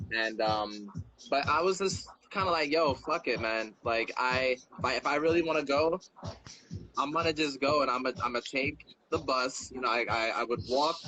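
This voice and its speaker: A man with a New York accent talks at a moderate pace with ordinary pitch variation. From New York, Long Island. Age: 20s. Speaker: breakdancer. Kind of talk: casual chat. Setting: livestream.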